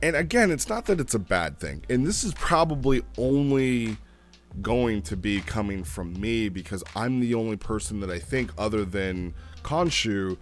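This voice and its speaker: Low-voiced man, rambling casual commentary. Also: animated, normal speed, faint music behind. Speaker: host reviewing a text role-play log.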